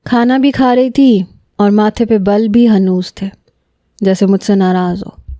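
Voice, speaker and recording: A woman telling a first-person romance story in a steady, plain storytelling manner. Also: mid-range voice, no room sound, studio quality.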